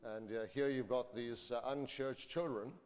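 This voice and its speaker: A man's voice: medium pitch, fairly even intonation, moderate pace, darkish tone, smooth. A man preaching to a congregation, speaking informally and reading from scripture. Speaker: preacher and school teacher. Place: large reverberant church or hall. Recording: echoey hall with long reverb.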